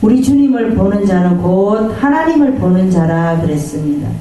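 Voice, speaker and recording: A woman's voice: medium pitch, expressive, normal speed, mellow. Woman pastor preaching in an echoey hall. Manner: preaching with call-and-response amens, acting out quoted voices. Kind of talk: sermon. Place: church sanctuary. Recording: echoey church hall from far off.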